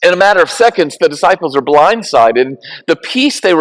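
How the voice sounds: A natural reading voice is heard. The reading stays natural from start to finish.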